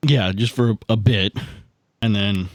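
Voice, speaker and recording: A man talking casually as a player at a tabletop game, halting and repeating his words as he thinks aloud. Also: on the low side, steady tone, dry recording, studio quality.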